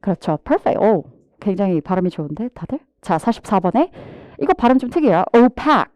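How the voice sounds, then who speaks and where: A woman's voice: mid-range voice, fairly quick, dry recording, lo-fi sound. A woman TOEFL instructor giving a live online vocabulary lecture, having students repeat English words after her and talking straight to the class. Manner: lively teacher drilling pronunciation, has students repeat words; addresses the class directly, mixing English words into explanations.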